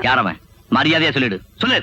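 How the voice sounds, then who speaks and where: A man's voice: medium pitch, big pitch swings, fast, full character voice. A man playing a blunt, stubborn landowner and elder brother in an old film. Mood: angry scolding. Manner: blunt, sharp-tongued. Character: proud stubborn village landowner, hot-tempered elder brother. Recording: dull lo-fi film soundtrack with music.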